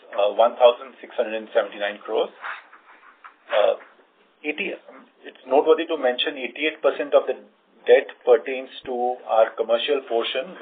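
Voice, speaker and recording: Husky Indian man on a phone line. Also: medium pitch. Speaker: company executive presenting financial results. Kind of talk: formal scripted earnings report. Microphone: conference call line. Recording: muffled phone-like conference call line.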